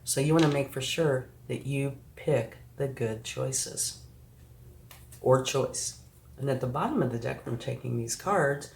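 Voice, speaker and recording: Her voice is bass and creaky as she gives a tarot reading to the viewer, sniffling after a recent bout of flu. She reassures the listener, often saying "okay" and "right," and the room sounds echoey with faint noise behind her.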